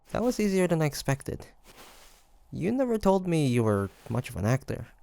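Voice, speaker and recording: A man's voice: mid-range voice, gravelly, darkish tone. A man playing a curious, teasing demon hunter in an audio roleplay, talking to the listener in a hesitant, conversational way. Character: male demon hunter traveler, curious, teasing, softly tsundere. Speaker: voice actor.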